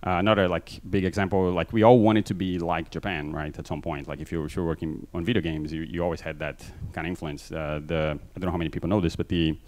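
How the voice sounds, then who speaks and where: Speaking on a large conference stage with a handheld mic, a man delivers a talk in a low voice whose tone is steady and darkish. He moves fast and loose, filling gaps constantly and poking fun at himself. His Brazilian Portuguese accent carries traces of many countries he has lived in.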